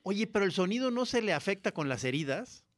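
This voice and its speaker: A man's voice: high voice, very animated, a little fast, dry recording. A man with a Mexican Spanish accent, co-hosting and teasing his guest in casual chat. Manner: teasing interviewer. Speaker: co-host.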